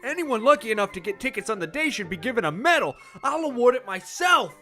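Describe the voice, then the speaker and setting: A man voicing an excitable, melodramatic geeky male pony in a comedic fan fiction reading with music behind. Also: extremely high pitch, fast, exaggerated voice. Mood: amused, proud. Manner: melodramatic, exclamatory. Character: excitable geeky adult male cartoon pony, easily panicked. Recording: background music under the voice.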